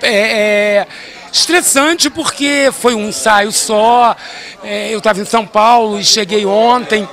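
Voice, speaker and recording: An older actress speaking backstage into a handheld mic, effusive and grateful, rattling off thanks. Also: female voice, medium pitch, fairly bright tone. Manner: effusive, grateful, talks fast. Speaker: actress in the reading. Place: backstage at a theater, indoors. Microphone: handheld interview mic.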